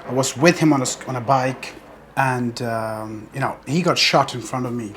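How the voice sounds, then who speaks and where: A man's voice: medium pitch, moderate pace, fairly bright tone, slight background noise. A man from Afghanistan, a professional bodybuilder, telling his life story in an earnest, determined interview monologue.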